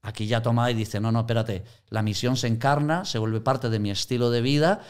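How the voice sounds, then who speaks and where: A man's voice: medium pitch, brisk, clear, resonant tone. A man in conversational teaching on Christian mission, telling anecdotes and acting out quoted voices. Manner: animated storyteller, acts out quoted voices.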